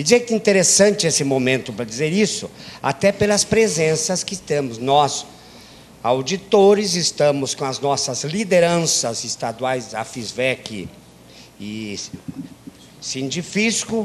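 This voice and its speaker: A man with a fairly high pitch speaks at a fairly slow pace. His pitch swings are very wide, and he takes long, frequent pauses. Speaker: city councillor and tax auditor, panel moderator. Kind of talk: panel closing remarks.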